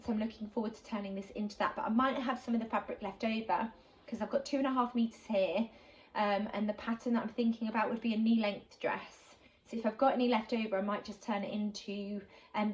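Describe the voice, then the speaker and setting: A woman's voice: mid-range voice, a little mellow, muffled recording. A woman, chatting casually and enthusiastically as she unboxes sewing supplies for her channel, with a slight cold and lots of ums. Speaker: sewing vlogger.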